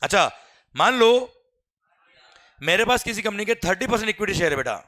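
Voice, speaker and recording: A man with an Indian accent teaching a lively class, often calling students "beta" and asking whether they follow, and reading English exam questions out slowly. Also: high voice. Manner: addresses students as beta, keeps asking "clear?".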